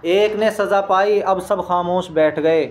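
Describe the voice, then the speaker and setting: High-voiced male teacher glossing a text. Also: fairly even intonation, slow pace, background noise. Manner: reads each phrase, then glosses it word by word; patient, repetitive explaining. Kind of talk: lesson reading and translating a Persian text.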